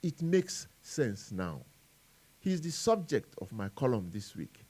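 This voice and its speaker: A man's voice: medium pitch, very animated, unhurried, a little mellow, breathy edge. Nigerian man reading a radio editorial, emphatically. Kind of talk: scripted editorial narration.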